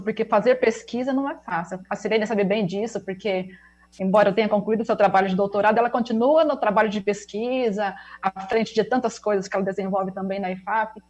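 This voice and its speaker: Over poor audio, a woman with a mid-range, darkish voice presents at a web conference by video call. She is a researcher and teacher trainer from interior São Paulo state, Brazil, with that region's rolled caipira R, and her talk is reflective and explanatory.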